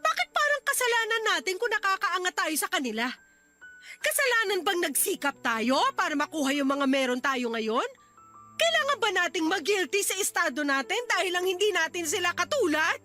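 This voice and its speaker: A woman's voice: extremely high pitch, very animated, brisk, pushed and bright, faint music behind, exaggerated voice. A woman playing a young wife in a radio drama, heated and scolding. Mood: angry. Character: angry young wife, sharp and confrontational.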